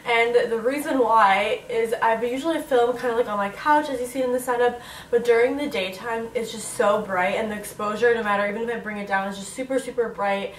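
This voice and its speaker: A woman's voice: a little high, a little fast, reverberant, far from the mic, slight background noise, rough recording. A young woman in her twenties with a stuffy, congested nose, chatting casually to camera in a Q&A vlog and filling her talk with "like". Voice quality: nasal. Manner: chatty, full of "like" fillers. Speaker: vlogger. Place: bedroom, on her bed.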